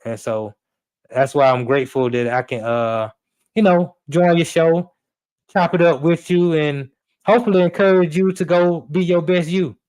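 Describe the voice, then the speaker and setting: A man, a sports radio producer and host, talking in a relaxed way with fillers and repeats as a guest. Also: on the high side, normal speed, clear, resonant tone. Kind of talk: casual storytelling chat.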